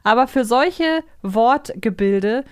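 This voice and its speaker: A woman's voice: a little high, animated, slow pace, smooth, no echo, clean studio sound. A woman co-hosting a podcast in casual conversational German chat. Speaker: podcast co-host.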